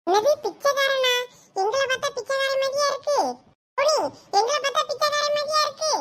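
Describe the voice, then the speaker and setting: ஒரு பெண் நடிக்கும் கிராமத்து இளைஞன், மிக உயர்ந்த குரலும் பளிச்சென்ற ஒலியும் கொண்டவன். பெருமையடித்துக் கொண்டு, கிண்டலாகவும், பொய்க் கோபத்துடனும் பேசுகிறான். நகைச்சுவை நாடகத்தில் கேட்கும் குரல் இது. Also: female voice, very high-pitched, a little fast, fairly bright tone. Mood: cocky. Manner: cheeky, show-off, mock-offended. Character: boastful village young man in a lungi. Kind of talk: comic skit acting.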